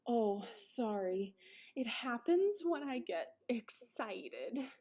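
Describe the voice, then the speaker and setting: A woman voicing an excitable, apologetic skunk assistant from a storybook, gushing with drawn-out words. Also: fairly high pitch, husky, heavily acted. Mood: sheepish.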